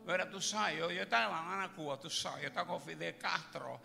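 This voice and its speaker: A man's voice: fairly high pitch, fast, gravelly. A man voicing a chatty male believer with a Cuban accent, who rambles with lots of fillers. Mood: chummy. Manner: rambling, filler-heavy street talk. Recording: reverberant hall with music.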